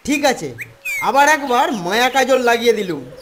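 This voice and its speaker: A woman voicing a confident, eager young schoolboy in a children's cartoon, explaining things briskly. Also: on the high side, big pitch swings, fairly bright tone, slight background noise. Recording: music behind the voice.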